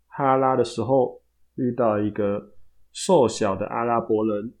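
A man's voice: on the low side, darkish tone. Chatty Taiwanese Mandarin storyteller man. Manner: chatty, asides to listeners, acts out characters. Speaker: storytelling podcast host. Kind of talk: casual storytelling narration.

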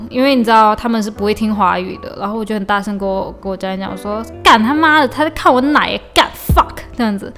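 A young woman from Malaysia, telling stories in a chatty, casual podcast diary, often restarting and mixing in English. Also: a little high. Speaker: podcast host. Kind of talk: casual diary-style storytelling. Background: faint lo-fi beat.

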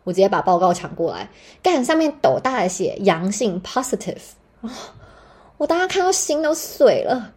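A young woman with a Taiwanese Mandarin accent, hosting a podcast and telling a personal story in an animated, dramatic way with casual swearing. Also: medium pitch, moderate pace, husky. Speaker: podcast host.

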